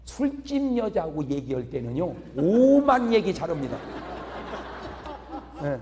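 A male pastor giving a humorous revival sermon in a large church hall, animated and chuckling through his lines. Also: on the high side, measured pace, crowd noise.

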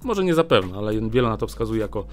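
A man's voice: fairly low pitch, big pitch swings, a little hiss or hum. Chatty man hosting a boxing news show. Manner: chatty, many filler "e" pauses. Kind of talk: casual news commentary. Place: small indoor studio with a boxing backdrop. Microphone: desk mic on a small stand.

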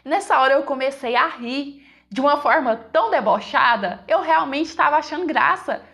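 High-voiced woman telling an emotional story. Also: normal speed, a bit bright. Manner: emotional, conversational, addresses listeners. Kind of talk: first-person dramatic storytelling.

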